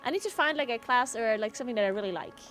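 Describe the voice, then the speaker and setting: A woman's voice: a little high, lively intonation, rapid-fire, a bit bright, faint music behind. Chatty woman streamer. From South Tyrol, Italy. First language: German. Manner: chatty, answers chat, frequent "like" fillers. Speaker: game streamer. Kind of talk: casual chat while gaming.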